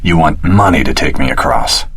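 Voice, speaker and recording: An actor playing an earnest, determined young swordsman hero in a video game, with a husky voice and a wry, dramatic delivery. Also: rumbling low, normal speed, fairly bright tone, heavily acted. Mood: dry, wry. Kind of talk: dramatic action-game character dialogue.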